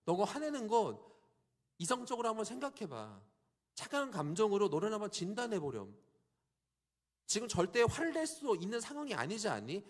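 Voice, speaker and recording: A patient, fatherly God voiced by a preacher speaks softly and coaxes with gentle questions. The voice sits high for a man and moves with lively rises and falls. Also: brisk, exaggerated voice. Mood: gently reasoning. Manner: calm, soft, coaxing questions.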